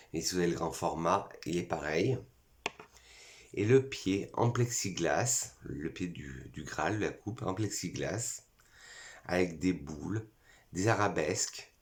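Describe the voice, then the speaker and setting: A French man presenting perfume bottles in a casual vlog, a little hoarse from a cold, eagerly listing scent notes one by one. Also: sits low, slight background noise. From France. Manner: enthusiastic, lists notes one by one. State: has a cold, voice cracking. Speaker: perfume YouTuber.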